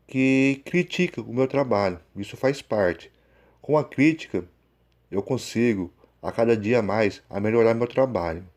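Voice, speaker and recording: A man's voice: fairly low pitch, a little mellow. A Brazilian man with a plain, unpolished delivery, speaking as a channel host and story narrator. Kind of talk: scripted narration. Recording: music behind the voice. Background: prominent music.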